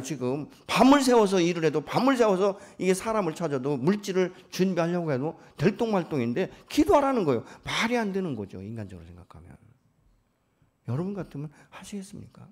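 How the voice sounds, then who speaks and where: A male pastor delivers a prayer-meeting sermon in a husky voice. His pitch moves widely, climbing to loud emphatic peaks before sinking to hushed low asides. He keeps turning to the congregation with questions.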